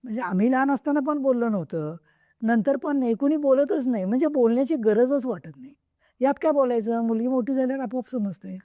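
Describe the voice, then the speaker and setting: A woman's voice: sits high, a little fast, warm tone, no echo, clean studio sound. A middle-aged woman author answering interview questions, earnest and emphatic, often repeating her points for stress. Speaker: guest author. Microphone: podcast microphone.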